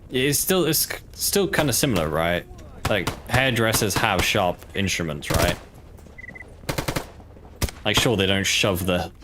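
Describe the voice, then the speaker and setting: A man's voice: deep voice, noisy background. A young man from Poland with a British accent, chatting casually and hesitantly while streaming a game, with lots of fillers. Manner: rambling, hesitant, filler-heavy. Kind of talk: casual gaming stream chat.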